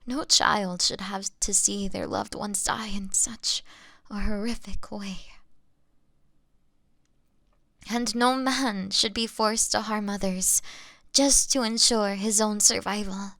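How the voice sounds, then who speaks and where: A woman playing a gentle young female vampire in an audio roleplay, apologetic and halting, with a breathy voice that often drops to a whisper. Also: mid-range voice, fairly even intonation, dry recording, clean studio sound. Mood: sorrowful, haunted. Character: gentle young female vampire, remorseful, fighting her bloodlust. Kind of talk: scripted dramatic audio roleplay monologue.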